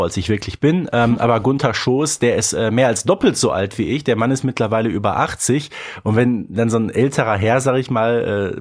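Medium-pitched man in rambling casual chat. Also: breathy edge. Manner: rambling, colloquial, often seeking agreement. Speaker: podcast co-host. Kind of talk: casual chat about audio drama episodes.

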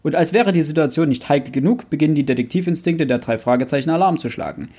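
A man's voice: on the high side, fast talker, warm tone, slightly rough. A young man hosting a casual book discussion, thinking aloud in a hesitant, self-correcting way. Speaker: podcast host.

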